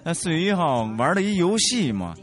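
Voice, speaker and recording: A man telling a story in casual chat, animated and laughing often, with many restarts. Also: a little high, brisk, faint music behind.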